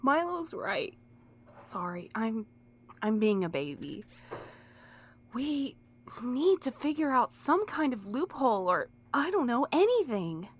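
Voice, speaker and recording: Woman acting earnest, anxious, very animated young woman. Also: a little high, slow pace, heavily acted. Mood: flustered. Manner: emotional, pleading, earnest. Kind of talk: audio drama acting.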